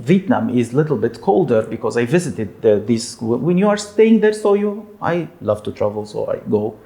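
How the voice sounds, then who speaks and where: Man with a lively, hesitant voice. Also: mid-range voice, normal speed. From Egypt. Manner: hesitant, many fillers, frequent laughs. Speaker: interviewee. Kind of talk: casual interview in second language.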